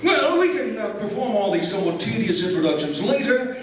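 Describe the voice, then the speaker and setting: An actor playing a suave, haughty robot officer with pompous, formal, dry delivery in a live dramatic reading. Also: male voice, high voice, sing-song, fairly quick, heavy background noise. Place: live convention stage. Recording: echoey stage, distant mic, faint crowd.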